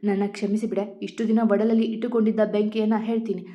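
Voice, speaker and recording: A woman's voice: mid-range voice, little pitch movement, fast, muffled recording, lightly acted. A woman voicing a remorseful middle-aged aunt who confesses an old crime, speaking emotionally.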